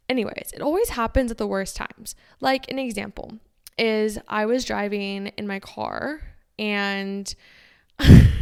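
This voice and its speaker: A woman's voice: fairly high pitch, vocal fry, a little mellow, clean tone. A young woman in her twenties hosting a podcast in casual chat, bubbly and chatty, laughing often. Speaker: podcast host.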